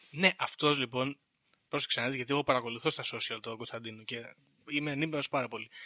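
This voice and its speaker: With a bright, sharp tone, a man speaks at a fairly high pitch in a dry, close sound with no echo. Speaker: podcast host. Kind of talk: casual chat.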